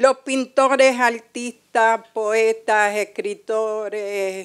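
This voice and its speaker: A woman's fairly high voice in a Puerto Rican accent, very slow and fairly even in intonation, over a quiet background. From Puerto Rico. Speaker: painter. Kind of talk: panel presentation. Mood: warm, light humor. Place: hall. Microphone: handheld.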